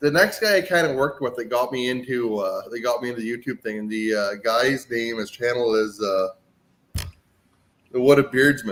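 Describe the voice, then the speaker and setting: At a moderate pace, the speaker talks with an Ontario accent and ordinary pitch variation. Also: man, medium pitch for a man. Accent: Canadian English (Ontario). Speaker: wood splitter maker and YouTuber. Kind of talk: casual chat. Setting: live stream call.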